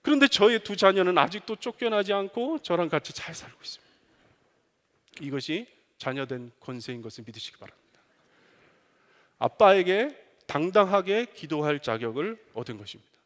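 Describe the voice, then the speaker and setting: Animated high-voiced male pastor preaching. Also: normal speed. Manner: animated storytelling, acting out voices. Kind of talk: sermon. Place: church sanctuary. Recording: long reverb of a church hall.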